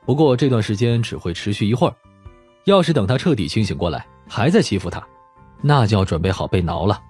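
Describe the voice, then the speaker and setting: A male storyteller reads scripted fiction. His pitch moves a lot and his voice has a husky grain. Soft music plays behind him. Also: very animated, a little fast. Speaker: audiobook narrator.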